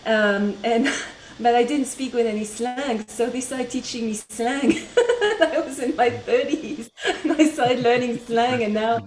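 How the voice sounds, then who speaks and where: A woman's voice: fairly high pitch, a little slow, a little mellow, a little hiss or hum. A middle-aged woman with a French accent, a guest chatting on a video call and laughing between phrases. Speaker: interview guest. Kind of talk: casual video-call interview. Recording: echoey room on video call.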